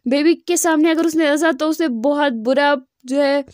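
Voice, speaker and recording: A woman's voice: sits high, normal speed, darkish tone, no echo, clean studio sound. A woman casually retelling a fan fiction story in a chatty way, full of fillers. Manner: chatty, with many fillers and restarts.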